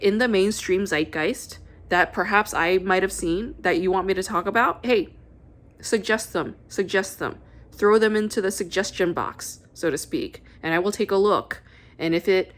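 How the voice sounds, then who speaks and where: A woman podcast host talking casually to her listeners, chatty and repeating herself for emphasis. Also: medium pitch.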